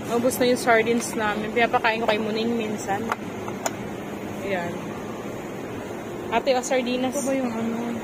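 A woman's voice: a little high, fairly even intonation, moderate pace, long pauses. A woman in her forties chatting to viewers about items as she shops, talking into a phone held at arm's length. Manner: chatty, addresses viewers while shopping. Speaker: vlogger. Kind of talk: casual shopping vlog. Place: busy supermarket aisles, indoors. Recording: loud crowd and store noise.

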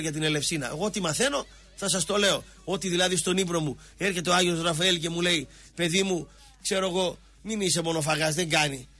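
A man's voice: on the high side, fairly bright tone, slightly rough. A middle-aged man, hosting a radio show with a sarcastic, rambling satirical rant. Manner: sarcastic, ranting, mocking voices. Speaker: radio sports show host.

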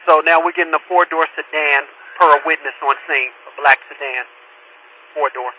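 A man's voice: a little high, fairly even intonation, moderate pace, phone-quality sound. A man working as a police radio dispatcher, relaying and repeating reports in a clipped, procedural way over the radio. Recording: noisy police scanner radio recording.

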